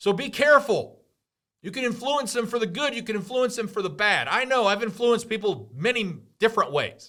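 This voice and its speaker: Speaking in a raised, projected voice with an American accent, a man with a high pitch delivers his words in a bright, sharp, animated tone at a fairly quick pace. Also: ordinary pitch variation. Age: 60s. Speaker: podcast host, business owner. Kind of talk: motivational podcast monologue.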